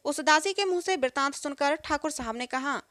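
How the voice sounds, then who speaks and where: A woman narrating a moral story, reading every character in the same even storytelling voice. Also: sits high, normal speed, no room sound, studio quality. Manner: reads every role in one even storytelling voice.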